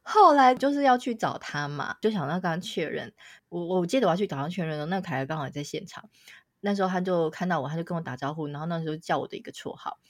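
A young adult woman telling a story on a podcast, animated and laughing often, acting out what people said. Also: fairly low pitch, fast talker, dry recording, studio quality. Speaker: podcast co-host. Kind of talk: casual chat, storytelling.

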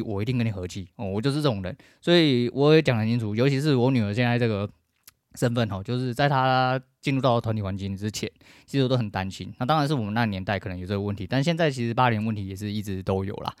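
A man's voice: on the low side, dry recording, clean studio sound. A middle-aged man with a Taiwanese Mandarin accent, hosting a podcast in a blunt, profane, emphatic casual rant. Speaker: podcast host.

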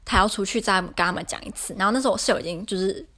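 Young woman, solo podcaster, rapid and irritated rambling storyteller. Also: medium pitch, a bit bright. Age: young adult. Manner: exasperated, rambling retelling with many fillers.

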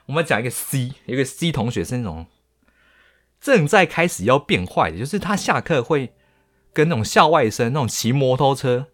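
A man with a Taiwanese Mandarin accent, hosting a podcast and telling a story in an animated, mocking way full of crude slang. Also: medium pitch, normal speed. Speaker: podcast host. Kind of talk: storytelling monologue.

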